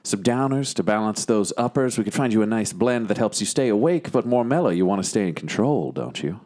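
A man playing a sly undercover agent who steers people with easy, soothing suggestions. The voice is slightly low, calm and unhurried. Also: lightly acted. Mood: coaxing. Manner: calm, coaxing, manipulative. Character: smooth, scheming female undercover agent.

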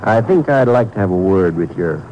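An actor playing a no-nonsense small-town Texas sheriff, folksy and commanding, in 1950s radio western style. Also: male voice, sits low, expressive, brisk, a little mellow, muffled recording. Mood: firm, suspicious. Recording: noisy old radio broadcast with clicks.

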